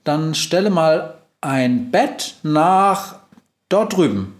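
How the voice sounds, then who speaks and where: A man's voice: fairly high pitch, very animated, drawn-out words, roomy sound, pitched above the performer's own voice, full character voice. A man voicing a kind, curious witch who speaks eagerly.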